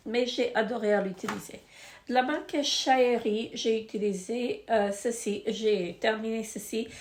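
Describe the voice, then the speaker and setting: A woman's voice: fairly high pitch, steady tone, unhurried, slight background noise. A woman with a stuffy, congested nose, reviewing beauty products in a casual, hesitant way full of fillers. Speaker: beauty vlogger. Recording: echoey room.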